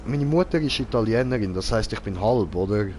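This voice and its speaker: A man's voice: on the low side, animated, brisk, a little mellow, a little hiss or hum. A man giving casual live gaming commentary in clownish, slangy broken grammar, as a streamer. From Switzerland. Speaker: game streamer.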